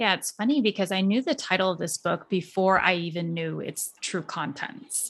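A woman with an American accent at a moderate pace, ordinary pitch variation, and hardly any pauses. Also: medium pitch for a woman. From US (raised from early childhood, New Jersey). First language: Mandarin and Taiwanese. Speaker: clinical psychologist and author. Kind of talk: interview conversation. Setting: online video event.

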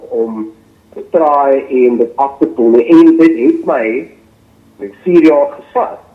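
A man speaks with ordinary pitch variation. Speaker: singer-songwriter. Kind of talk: casual chat. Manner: halting.

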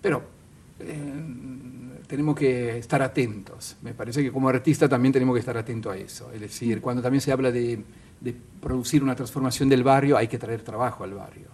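With an Italian accent, a man talks at a fairly quick pace and medium pitch, with big swings in loudness. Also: fairly even intonation. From Switzerland, Italian-speaking region. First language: Italian (speaking Spanish). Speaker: photographer. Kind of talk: casual chat.

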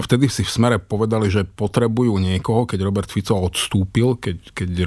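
This man has an unremarkable speaking voice, fairly low in pitch, with fairly even intonation at a moderate pace. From Slovakia, Košice. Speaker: political commentator and writer. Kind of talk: interview.

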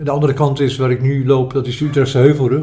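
A man with medium pitch talks very fast in a dark, mellow tone. His voice is somewhat breathy, with monotone, flat intonation. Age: 60s. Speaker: shepherd, retired municipal executive. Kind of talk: interview. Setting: at home in living room.

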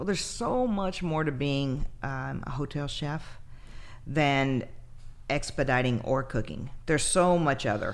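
With an American accent, a woman with a very deep, low pitch talks at a fairly slow pace with ordinary pitch variation amid audible room echo. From Texas. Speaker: hotel executive chef. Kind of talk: interview.

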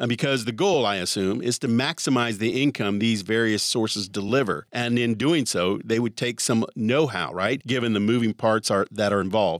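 A man with an ordinary speaking voice at a medium pitch and moderate pace, with ordinary pitch variation, very even loudness and hardly any pauses. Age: 50s. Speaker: radio co-host. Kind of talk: radio show hosting, interview. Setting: studio. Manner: upbeat, polished broadcaster.

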